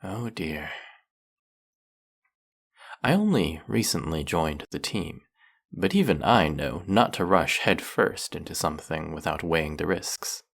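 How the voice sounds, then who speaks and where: An actor playing a suave snake-headed male villain who teases his captive in an audio roleplay, with a slow, mocking, silky manner. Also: a bass voice, sing-song, creaky, fairly bright tone, full character voice.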